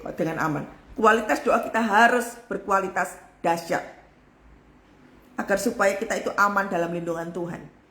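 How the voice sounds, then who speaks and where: A woman pastor giving a live devotional sermon with a forceful, emphatic delivery. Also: a little high, reverberant.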